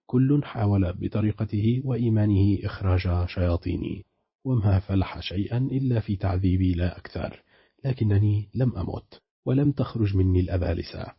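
Husky low-voiced male audiobook narrator. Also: no room sound, lo-fi sound. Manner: steady, measured reading.

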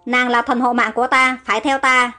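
A woman's voice: on the high side, level tone, fairly quick, bright, forceful tone, soft background music. A woman voicing a cruel, suspicious king who speaks harshly and gives orders. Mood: domineering. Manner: domineering, harsh.

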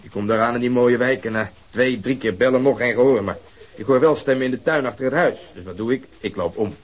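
Actor as husky, blunt, cynical policeman. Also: medium pitch, quick pace, natural voice. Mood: blunt, relishing. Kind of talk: naturalistic radio drama acting.

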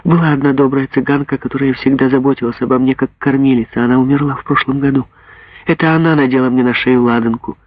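A man voicing a frightened young gypsy girl in an audiobook, pleading in a husky voice. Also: mid-range voice, fairly even intonation, fast talker, dry recording, pitched above the performer's own voice, natural voice. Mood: tender. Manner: breathless, pleading. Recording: dull lo-fi dry recording.

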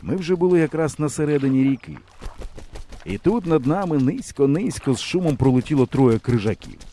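A man narrating a storybook in a lively, expressive way. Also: a little high, a little fast, a little hiss or hum. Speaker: audiobook narrator. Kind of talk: storybook reading.

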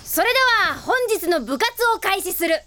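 A woman's voice: very high voice, animated, normal speed, a bit bright. A woman voicing a bold, bossy girl who leads a club and barks out game rules, in an anime drama CD. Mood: commanding. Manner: commanding announcements.

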